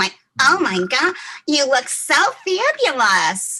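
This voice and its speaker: In a put-on character voice, the speaker goes high and nasal at a fairly slow pace, with very wide pitch swings. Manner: gushing, effusive.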